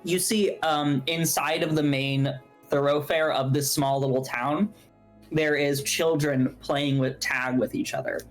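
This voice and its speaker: A woman's voice: low voice, fairly even intonation, measured pace, soft background music, rough recording. A woman narrating a tabletop game as game master, describing scenes at length with many fillers.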